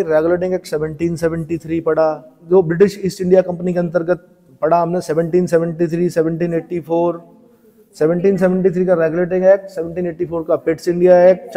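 A man's voice: high-pitched, creaky, mellow, big-room sound. A male teacher giving a classroom lecture, repeating key points as questions to the class and mixing in folksy stories, with a northern Indian Hindi accent. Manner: folksy storytelling asides.

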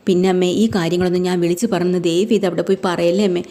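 Woman doing a sad young bride, pleading and teary, talks fast. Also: on the low side, flat delivery, warm tone, natural voice. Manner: pleading, tearful. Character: timid young wife, tearful and pleading.

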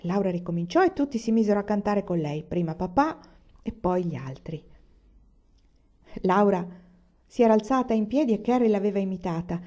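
A woman narrating a novel aloud as an audiobook reader, steady and expressive. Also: mid-range voice, normal speed, long pauses, muffled recording. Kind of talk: scripted narration.

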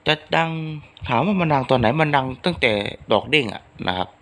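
A man's voice: medium pitch, big pitch swings, fairly quick, fairly bright tone. A man hosting his own channel, chatting casually to his followers in a rambling, homely way with lots of fillers. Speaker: channel host. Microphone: phone microphone.

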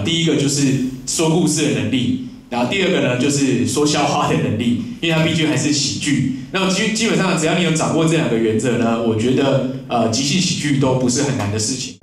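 A man's voice: mid-range voice, fast talker. A young man with a Taiwanese Mandarin accent, lecturing a class as an instructor in a hall. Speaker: improv comedy instructor. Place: indoor workshop hall. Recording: very echoey room.

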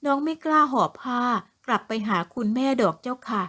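Woman voicing a gentle sorrowful young wife. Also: high voice, animated, heavily acted. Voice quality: soft, slow, polite.

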